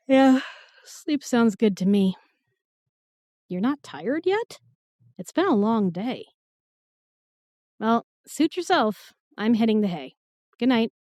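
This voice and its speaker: A sassy young modern woman played by an actress in a fantasy audio drama. Her voice is high and animated, recorded dry. She talks casually, with a cheeky edge. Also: slow pace, pauses often, dry recording. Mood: tired, sincere.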